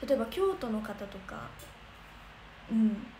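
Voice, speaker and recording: A woman's voice: on the high side, big pitch swings, unhurried, dark tone. Bubbly young woman chatting on a stream. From Kansai region of Japan. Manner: chatty, bubbly, thinks aloud with many fillers. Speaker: idol livestreamer. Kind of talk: casual livestream chat reading comments. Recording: echoey room with noticeable noise.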